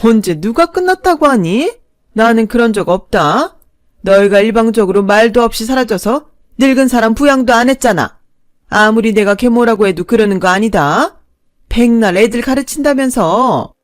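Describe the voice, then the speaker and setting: A woman voicing a shameless, scheming older stepmother-in-law in a told story, loud and scolding. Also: on the high side, a little slow, dry recording, studio quality, pitched above the performer's own voice, close to an everyday voice. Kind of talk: storytelling with acted dialogue.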